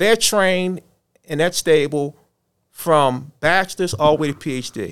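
A man with an American accent speaks in a normal speaking voice. His pitch is fairly high and his pace fairly slow. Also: ordinary pitch variation. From US, Baltimore, Maryland. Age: 50s. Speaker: nonprofit executive. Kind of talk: interview.

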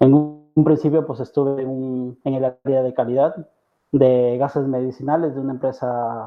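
Intonation here is fairly even. The delivery moves fairly slowly. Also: man. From Peru, Trujillo. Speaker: pharmacist. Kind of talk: interview. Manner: halting.

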